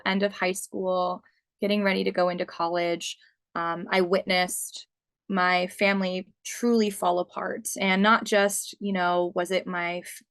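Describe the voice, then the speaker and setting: A woman's voice: fairly low pitch, fairly bright tone, no echo. A young adult woman from Pennsylvania hosting her podcast alone, talking earnestly and encouragingly straight to the listener. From Pennsylvania, USA. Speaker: podcast host and body confidence coach. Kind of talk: solo podcast monologue.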